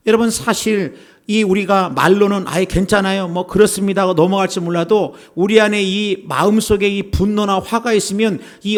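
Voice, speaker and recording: A pastor delivers a Sunday sermon at a church service. His voice is a man's, pitched notably high. He preaches earnestly and keeps turning to address the listeners directly.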